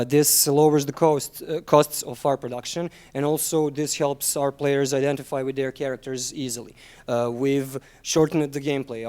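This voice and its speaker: A young man with a Serbian accent gives a conference presentation, speaking haltingly with frequent ums and repeated words. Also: medium pitch, a little mellow, clean tone. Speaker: conference speaker, junior game designer.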